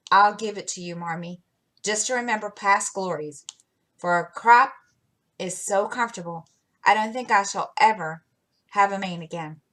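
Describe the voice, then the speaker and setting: A woman's voice: mid-range voice, moderate pace, a bit bright, lightly acted. A woman reading as a spirited young heroine. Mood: eager. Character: spirited teenage girl heroine, impulsive.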